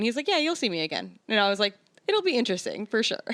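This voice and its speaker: A woman talks at a very fast pace and a fairly high pitch. Her tone is animated, and her pitch swings very widely. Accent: New York. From Boston area and New York City. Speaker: comedian. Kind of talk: casual chat.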